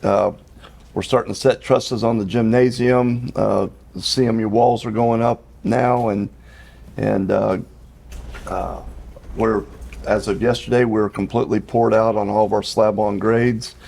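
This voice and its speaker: A man reporting as a construction contractor, halting, with many fillers. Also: lowish voice, steady tone, creaky, darkish tone. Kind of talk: project status report.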